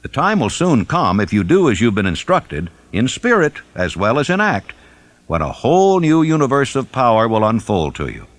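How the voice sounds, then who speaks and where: A man reading a self-help audiobook in a measured, instructive and emphatic manner. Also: mid-range voice, huge pitch swings. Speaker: audiobook narrator.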